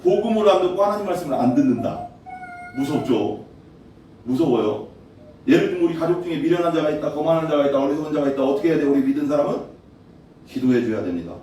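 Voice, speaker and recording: A pastor preaches conversationally and fast, his intonation lively as he questions the congregation along the way. His voice is mellow yet pitched fairly high for a man. The mic catches him from afar in a very echoey church hall with faint background noise.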